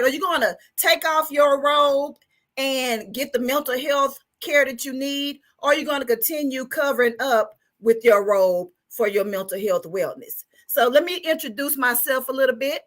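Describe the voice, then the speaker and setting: This mental health therapist, a guest on a casual interview and motivational talk, is an enthusiastic Texan with a Southern US accent. Her fairly high, slightly bright voice moves at a moderate pace, and her casual, folksy manner includes rhetorical check-ins.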